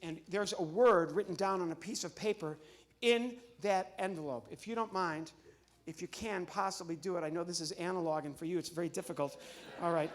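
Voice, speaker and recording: A middle-aged American man from the Midwest doing live comedy patter on stage, chatty and halting, often interrupting himself. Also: high voice. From Midwestern United States. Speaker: comedian and entertainer. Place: on stage in a large church hall.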